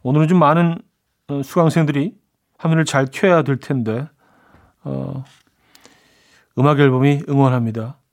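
A man's voice: mid-range voice, fairly even intonation, moderate pace, vocal fry, pauses often. A man hosting a radio music show, chatting in a friendly way and reading out listener messages. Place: radio studio.

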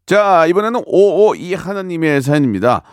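A man's voice: a little high, big pitch swings, normal speed, no echo, studio quality, faint music behind. A man hosting a radio call-in show, chatting jovially and teasing his callers. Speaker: radio host. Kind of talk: casual radio call-in chat. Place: radio studio.

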